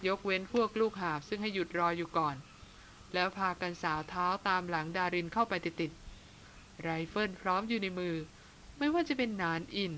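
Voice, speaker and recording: A woman narrating a novel aloud in a steady, measured storytelling manner. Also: lowish voice, slight background noise. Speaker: audiobook narrator. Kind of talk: dramatic novel reading.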